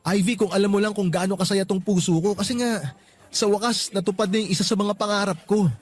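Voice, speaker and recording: A man with a Filipino accent acting as an affectionate, easygoing boyfriend in a radio romance drama, speaking in a conversational, expressive way. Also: sits high, fairly quick, lightly acted. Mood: reassuring, happy.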